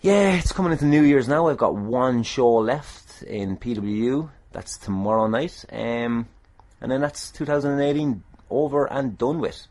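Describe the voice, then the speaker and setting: A man's voice: mid-range voice, normal speed, a little mellow. An Irish man hosting a casual solo podcast, self-deprecating, irreverent and a little sweary. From Ireland. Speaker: podcast host and wrestler.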